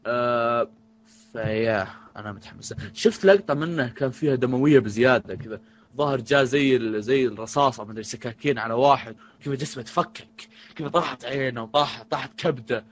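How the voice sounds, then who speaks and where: Fast-talking man. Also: mid-range voice. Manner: rambling, with frequent restarts. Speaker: podcast co-host. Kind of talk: casual podcast chat.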